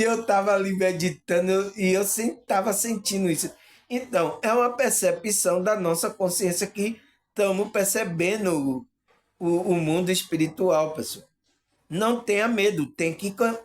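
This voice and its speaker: A man talking casually and earnestly to his viewers about spiritual perception, often checking in with "you know?" and laughing. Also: sits high. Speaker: spiritual video host.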